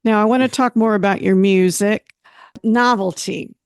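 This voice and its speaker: A woman's voice: medium pitch, steady tone, moderate pace, clear, resonant tone, no echo, clean studio sound. A woman interviewing a musician for a music magazine, chatty and enthusiastic, with easy laughter. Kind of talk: casual interview.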